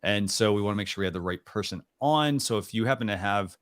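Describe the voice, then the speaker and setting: A man's voice: lowish voice, quick pace, fairly bright tone, dry recording. A man co-hosting a live stream, chatting casually in a rambling way with lots of restarts. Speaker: co-host of a live stream show.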